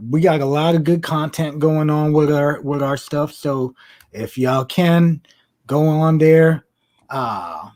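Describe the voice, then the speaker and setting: Stuffy-nosed man co-hosting, higher voice. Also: slow pace. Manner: relaxed, swears freely. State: stuffy nose. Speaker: podcast co-host. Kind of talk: casual chat.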